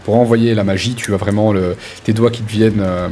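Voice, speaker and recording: A man's voice: lowish voice, fairly even intonation, brisk, dark tone, slight background noise. A man running a tabletop role-playing game, narrating in an informal, hesitant but vivid way. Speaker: game master.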